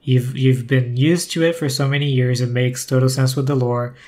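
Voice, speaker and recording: A man's voice: mid-range voice, fairly even intonation, normal speed, darkish tone. Podcast guest, male, conversational, thoughtful, frequent restarts. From Brazil. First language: Portuguese. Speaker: guest, former community manager.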